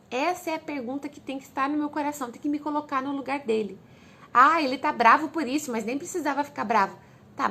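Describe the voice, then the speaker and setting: A woman's voice: sits high, a bit bright, husky. A Brazilian woman with a Brazilian Portuguese accent, giving earnest parenting advice and acting out what children and parents say. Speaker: parenting educator.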